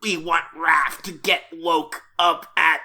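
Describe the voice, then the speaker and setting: A woman voicing a cranky teenage turtle inventor with a croaky, witch-like rasp, scolding impatiently in a comedic fanfic reading. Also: sits low, little pitch movement, slow, pushed and bright, voice pushed down, heavily acted. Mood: bossy.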